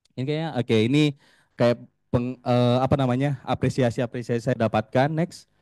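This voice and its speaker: In a dry, close recording with no echo, a man with a dark, mellow tone speaks at a medium pitch and a fairly quick pace with fairly even intonation. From Makassar, South Sulawesi, Indonesia. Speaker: social entrepreneur, law alumnus. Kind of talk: presentation talk to students. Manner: casual, with filler words.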